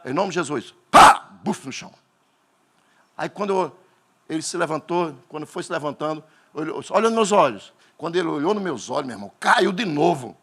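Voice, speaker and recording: A man with a Northeastern Brazilian accent preaching a sermon as pastor, animated and breaking into shouts. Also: a little high, fairly quick.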